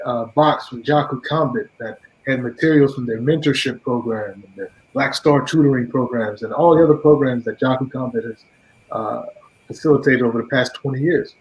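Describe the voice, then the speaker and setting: Man giving a measured ceremony speech. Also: mid-range voice. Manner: measured, with many fillers and restarts. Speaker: program director. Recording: dull lo-fi sound.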